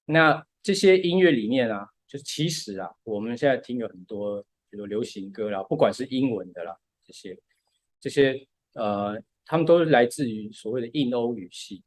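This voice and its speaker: A man's voice: medium pitch, animated, normal speed, no room sound. A man, patiently explaining music step by step in a casual podcast chat.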